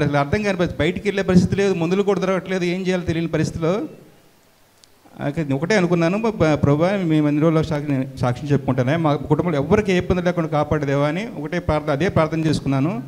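A middle-aged man, giving an earnest, halting, emotional church testimony. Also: on the high side, a little mellow.

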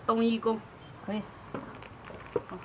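A woman's voice: fairly high pitch, flat delivery, measured pace, dull audio, noisy background. Chatty young woman in a rural yard. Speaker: food vlogger. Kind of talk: casual chat.

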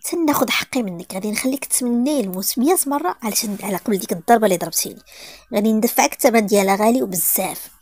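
A woman voicing a cold, vengeful young male boss who threatens in a low voice, with a Moroccan accent. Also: expressive, racing, a little mellow, no room sound. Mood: menacing.

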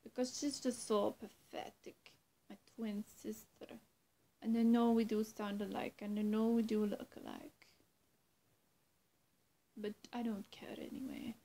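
Slow, creaky young woman playing a coaxing vampire. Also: medium pitch, animated, mellow. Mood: coaxing, menacing. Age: young adult. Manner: slow, halting, often dropping to a whisper. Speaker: roleplay performer. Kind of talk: in-character vampire roleplay to the listener. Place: small room indoors.

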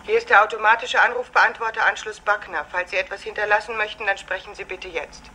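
An actress voicing a formal, polite automatic answering machine announcement, played back from tape. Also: female voice, medium pitch, steady tone, fast talker, sharp tone, slight background noise, poor audio. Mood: formal announcing. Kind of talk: recorded announcement.

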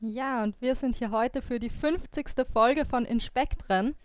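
A woman of twenty-seven from Austria, co-hosting a casual podcast and explaining terms calmly. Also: on the high side, measured pace. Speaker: podcast co-host.

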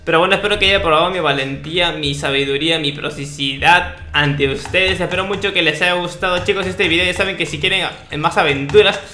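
A young Peruvian-accented man hosts a gaming video, tossing off casual, cocky, mock-boastful Minecraft commentary. His voice sits fairly high and comes out a little fast, pushed and bright, with hardly any pauses. The recording sounds roomy, with faint background noise.

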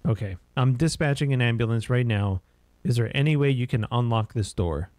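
A man reading game dialogue aloud as a brisk, matter-of-fact police emergency dispatcher asking questions. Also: medium pitch, darkish tone, no room sound, natural voice. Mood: brisk, questioning.

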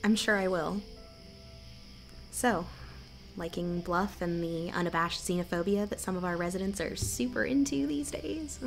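A woman's voice: on the low side, moderate pace, soft background music, lightly acted, rough recording. A woman playing a candid, apologetic small-town local in an audio drama. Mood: wry.

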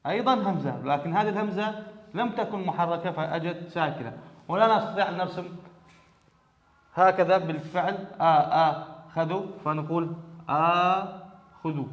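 A man's voice: on the high side, normal speed. A man teaching a grammar lesson in a classroom, explaining step by step and repeating key words. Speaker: Arabic teacher. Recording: echoey hall, dull lo-fi sound.

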